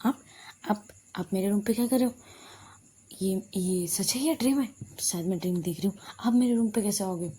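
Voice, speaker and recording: A sleepy young student girl from an audio love story, slow to wake and quick to get flustered and apologetic. A woman narrator voices her close to her own everyday voice. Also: medium pitch, dark tone, a little hiss or hum, natural voice. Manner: drowsy and whiny when woken, then flustered.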